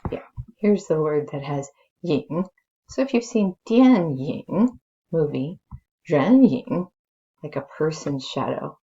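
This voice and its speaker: A woman's voice: sits low, lively intonation, slow pace, mellow, muffled recording. A woman who is a native English speaker, teaching informally as a language teacher and thinking aloud as she explains. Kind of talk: slow dramatic story read-aloud, then casual lesson commentary.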